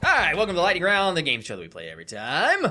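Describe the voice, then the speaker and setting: A man's voice: sits high, huge pitch swings, fast, music in the background. A man hosting a casual gaming podcast, bantering with friends and swearing freely as he jokes. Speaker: podcast host.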